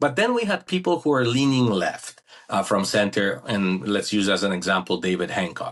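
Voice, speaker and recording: A man speaks with a Polish accent at a moderate pace. His loudness stays very even. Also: fairly low pitch for a man, lively intonation. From Poland. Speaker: former politician. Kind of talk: interview. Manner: hesitant, many fillers.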